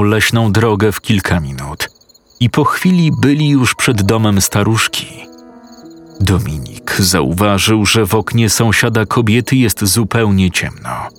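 A man narrating a scripted horror story in a steady, suspenseful way. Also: fairly low pitch, a little hiss or hum. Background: faint music.

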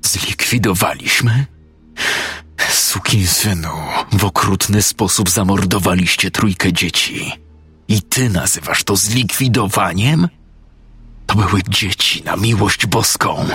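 A desperate father boiling over with rage, as a man reads him in a crime audiobook. He hisses his curses in a husky, low voice. Faint music sits behind. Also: slow, fairly bright tone, no room sound, heavily acted. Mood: furious. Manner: furious, cursing, hissed. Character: enraged frightened father, adult man.

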